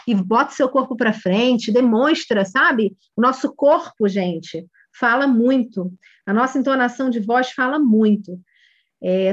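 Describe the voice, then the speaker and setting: A woman's voice: a little high, highs cut off. A woman with a Brazilian Portuguese accent, a kid coach instructor giving a chatty online course lesson and talking to students by name.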